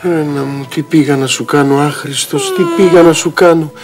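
A man's voice: fairly high pitch, steady tone, lightly acted. Man playing a flustered guilty husband. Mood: remorseful. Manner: frantic, then remorseful and pleading. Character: flustered middle-aged male doctor, guilty husband. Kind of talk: TV sitcom acting. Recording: music under the scene.

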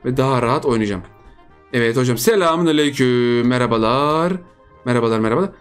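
A man giving casual, excitable commentary over his own video game, often repeating words in quick bursts. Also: mid-range voice, clean tone, faint music behind. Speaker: gaming YouTuber.

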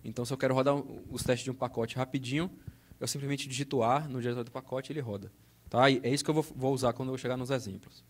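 A man with a Brazilian Portuguese accent speaks fast and steadily at medium pitch, giving a technical conference talk with a live demo from an auditorium stage. He explains step by step and checks in often with the audience, first on a handheld mic and then at the podium.

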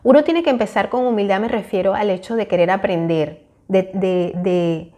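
A woman in her forties speaks straight to camera through a lapel mic in a small room. Her voice is warm and mellow, earnest and encouraging, with hesitant fillers between her thoughts. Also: medium pitch, normal speed. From Venezuela. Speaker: YouTuber. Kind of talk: casual talk to camera.

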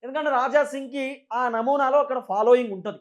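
A man's voice: very high-pitched, brisk. A man with a Telangana Telugu accent giving unscripted political commentary in an emphatic, repetitive, explanatory manner.

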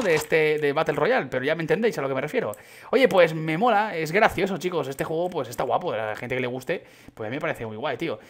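Excitable young Spaniard narrating gameplay. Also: male voice, a little high. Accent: Spain Spanish. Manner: excitable, swings to sudden shouts; chatty, addresses viewers as chicos. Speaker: gaming YouTuber. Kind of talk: casual gameplay commentary.

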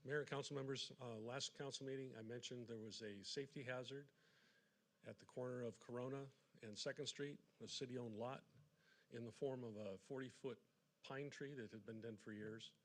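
Man making halting, deliberate public remarks. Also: mid-range voice, fairly even intonation. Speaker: public commenter. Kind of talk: public remarks in a formal but plain register. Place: city council meeting room, at public podium.

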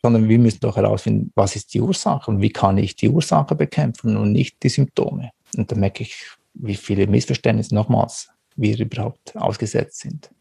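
A man's voice: on the low side, moderate pace, creaky, hardly any pauses, mellow, slightly rough, dry recording, studio quality. A man hosting a podcast, talking in a searching, reflective way and often repeating words as he thinks. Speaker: podcast host. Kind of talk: reflective conversation.

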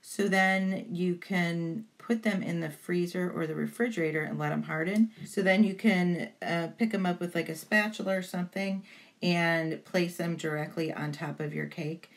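A woman's voice: on the low side, fairly even intonation, moderate pace. A woman giving an informal step-by-step tutorial voice-over in a chatty way, encouraging to beginners. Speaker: baking tutorial host.

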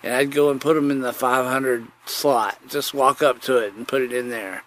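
A man's voice: mid-range voice, steady tone, moderate pace, fairly bright tone, poor audio. A man hosting a podcast with a rambling comic monologue, often repeating his phrases. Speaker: podcast host. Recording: noticeable background noise.

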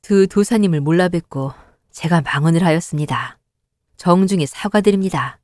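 A woman doing a stern low-voiced woman in black. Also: normal speed, darkish tone, dry recording, close to an everyday voice. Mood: formal. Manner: stern, dignified. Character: proud defiant woman in black, young adult.

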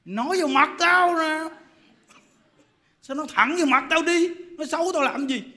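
Man acting out a fiery woman, loud and high, blunt, daring you to say it to her face. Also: unhurried, exaggerated voice. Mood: indignant. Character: hot-tempered middle-aged woman, confrontational.

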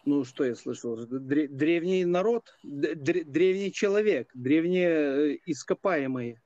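Slow, halting man on a dull call. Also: fairly high pitch, a little mellow, dry recording. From Lviv, Ukraine. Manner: halting, deliberate, drawn-out hesitations. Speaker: caller on live stream. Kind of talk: unscripted debate. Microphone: internet video call.

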